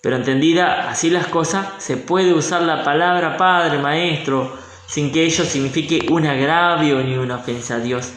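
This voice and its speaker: A man who is a Catholic priest, giving an informal teaching talk and pausing to look up Bible verses. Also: on the high side, a bit bright. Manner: unhurried, pauses to look up verses. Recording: echoey room.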